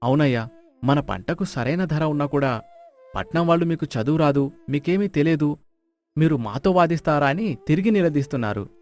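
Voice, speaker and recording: An actor playing an aggrieved but respectful village farmer. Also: male voice, a little high, animated, normal speed, darkish tone. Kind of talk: moral storybook character voice. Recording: music behind the voice.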